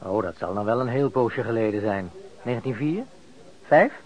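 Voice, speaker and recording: An actor playing a curious, familiar companion who prompts a friend for tales in a conversational Dutch radio play. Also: male voice, medium pitch, animated, moderate pace, darkish tone, lightly acted. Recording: faintly noisy radio play recording.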